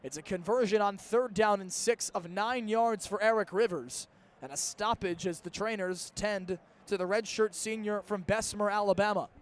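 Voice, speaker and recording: A man in his twenties with an American accent calling live football on radio as play-by-play announcer, in crisp, detail-packed phrases. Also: high voice, moderate pace. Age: 20s.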